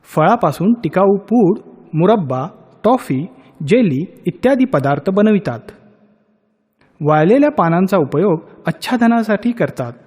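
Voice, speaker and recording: A man reading a scripted documentary voice-over in a measured, informative way. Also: high voice, breathy edge, big-room sound. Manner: measured, even informative delivery. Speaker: documentary narrator.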